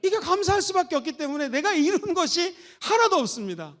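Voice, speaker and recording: Middle-aged pastor guy from seoul, really high voice, preaching hard then going quiet. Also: big pitch swings, quick pace. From Seoul, South Korea. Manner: emphatic preaching with swings between loud exhortation and soft intimate asides. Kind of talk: sermon. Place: church sanctuary.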